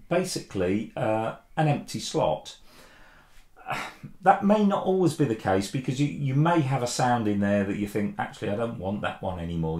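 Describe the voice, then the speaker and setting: A man's voice: lowish voice, a little mellow. Easygoing man in an echoey room. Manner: easygoing, plain-spoken, frequent "um" and "uh". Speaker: keyboard tutorial presenter. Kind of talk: relaxed step-by-step tutorial. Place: home studio office with desk and plants, indoors.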